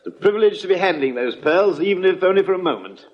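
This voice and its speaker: High-voiced, courteous jeweler. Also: male voice, expressive, fast talker, highs cut off, faint music behind. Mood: courteous, impressed. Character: courteous, obliging male ship's jeweler. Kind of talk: 1950s radio drama acting. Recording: old radio broadcast, faint noise.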